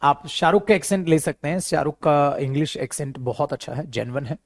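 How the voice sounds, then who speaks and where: A man's voice: fairly high pitch, fairly quick, no echo, clean studio sound. A man teaching a live spoken English class, chatty and repetitive, calling his students "beta". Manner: addresses students as beta, repeats himself, chatty and animated.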